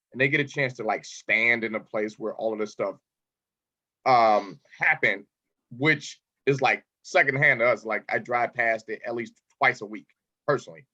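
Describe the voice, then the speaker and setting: A man's voice: mid-range voice, bright, forceful tone. A man hosting a podcast interview, chatty and proud of his home town. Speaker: podcast host. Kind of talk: casual interview chat. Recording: slightly dull lo-fi audio.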